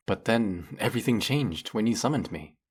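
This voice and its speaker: Man playing a very low, husky devoted demon servant. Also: expressive, normal speed. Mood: reverent. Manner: fawning, theatrical, formal servile diction. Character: flirty, fanatically devoted male demon familiar, obsessive servant. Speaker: voice actor. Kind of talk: dramatic roleplay monologue spoken to the listener.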